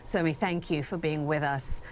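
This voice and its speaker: A female news anchor leads a studio interview, poised and probing. Her voice is a little lower than most women's. A faint background noise runs underneath. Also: steady tone, normal speed.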